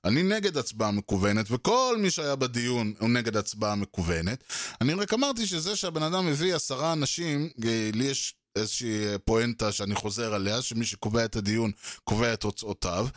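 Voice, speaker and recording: A man's voice: mid-range voice, lively intonation, dry recording, clean studio sound. A man hosting a solo podcast, talking through his thoughts in a loose conversational way, with lots of fillers and restarts, and often acting out both sides of an argument. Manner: conversational, many fillers and restarts, acts out quoted exchanges. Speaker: podcast host.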